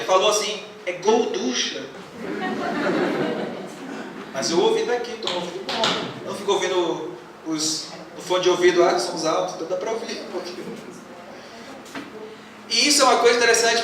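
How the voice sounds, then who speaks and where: A man giving a religious lecture to a live audience in a large hall, playfully quizzing the listeners. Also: sits high. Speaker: spiritist lecturer. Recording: echoey hall from far off, faint noise.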